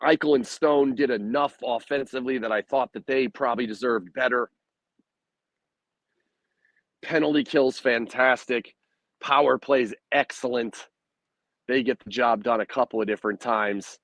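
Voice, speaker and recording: A man hosting a postgame hockey livestream, speaking bluntly and with frustration in a hoarse, raspy voice that is recovering from laryngitis. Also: medium pitch, steady tone, moderate pace, fairly bright tone, no room sound. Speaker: hockey podcast host. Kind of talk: postgame sports commentary.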